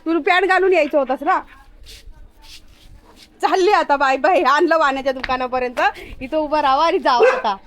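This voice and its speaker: A woman's voice: sits high, normal speed, fairly bright tone. A woman vlogging outdoors, chatting casually and coaxing animals along the street. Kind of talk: casual outdoor vlog chat.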